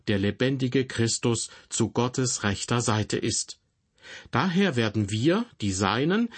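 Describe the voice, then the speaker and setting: A man giving a scripted radio Bible teaching in a calm, measured, explaining way. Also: medium pitch, slightly rough.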